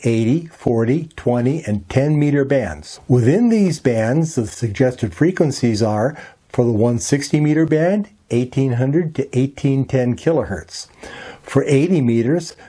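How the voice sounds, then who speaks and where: Mellow-voiced man narrating a tutorial. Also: mid-range voice, husky. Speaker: presenter of an amateur radio tutorial. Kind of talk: scripted explainer narration.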